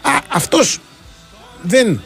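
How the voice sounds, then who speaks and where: A Greek man trading casual sports talk on the radio. He argues in an animated way and keeps restarting his sentences. His voice sits a touch high, with a faint music bed behind him. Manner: animated, argumentative, many restarts.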